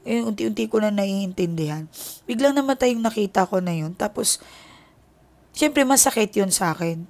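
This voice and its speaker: A woman's voice: mid-range voice, animated, moderate pace, darkish tone. A woman from the Philippines, a tarot reader, telling a personal story in a candid, confiding way, linking her thoughts with many filler words.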